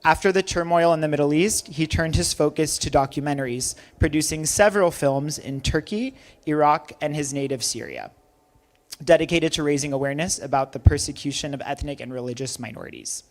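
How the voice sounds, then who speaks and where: A man's voice: fairly high pitch, fairly quick. A man hosting an event, reading a formal introduction and then interviewing the guest.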